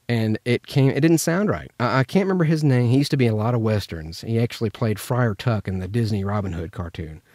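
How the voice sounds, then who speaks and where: In a dry, studio-quality recording, a man from Memphis in the United States chats casually while teaching voice acting, drawing on anecdotes. He works as a voice actor teaching character voices, and his medium-pitched voice is slightly mellow.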